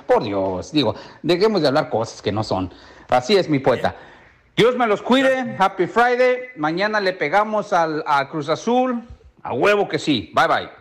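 Mexican guy sending a voice message to a show, kinda high voice, emphatic slangy rant. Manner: emphatic, repetitive, colloquial. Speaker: listener leaving an audio message. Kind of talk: casual opinionated rant.

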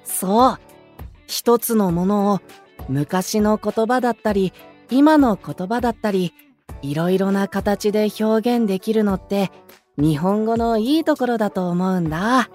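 A woman's voice: mid-range voice, a little slow, darkish tone, natural voice. Lady voicing a sweet sincere young idol guy, takes his time explaining, audio drama, bit of music under. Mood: earnest, encouraging. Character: gentle, earnest, harmonious young male idol, mediator. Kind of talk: anime-style voice drama acting.

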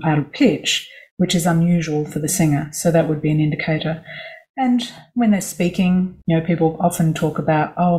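Lady vocal coach on a podcast, calm explainer, lots of "you know" asides. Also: low voice, low-quality recording. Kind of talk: podcast interview.

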